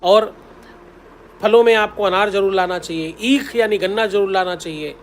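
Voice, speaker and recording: A man's voice: high voice, normal speed, a little hiss or hum. A man, a spiritual teacher, giving devotional advice in an instructive way, repeating the key steps and intoning mantras.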